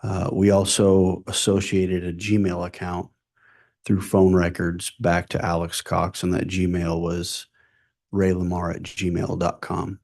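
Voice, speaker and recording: Male detective on the stand, really deep gravelly voice, monotone, just the facts. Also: slow pace. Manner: factual, matter-of-fact. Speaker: police detective testifying as a witness. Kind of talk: formal courtroom testimony. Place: courtroom witness stand.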